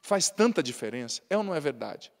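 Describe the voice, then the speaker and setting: A Brazilian priest preaches in a folksy, humorous way, often tagging his points with questions. His voice sits high for a man. It rings out with a long reverb, as in a large hall. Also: big pitch swings, quick pace, creaky. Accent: Brazilian Portuguese. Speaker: Catholic priest. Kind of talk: sermon.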